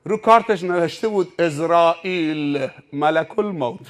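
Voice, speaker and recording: A man preaching a sermon, telling stories emphatically and acting out the scenes. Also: a little high. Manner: emphatic, vivid, acts out scenes. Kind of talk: sermon with dramatized storytelling.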